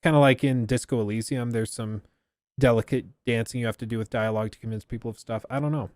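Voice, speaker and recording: A man's voice: medium pitch, steady tone, fast talker, a little mellow, slight background noise. A man giving casual, enthusiastic live reaction commentary on a stream, chatty and loose with fillers. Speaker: streamer reacting to a game showcase.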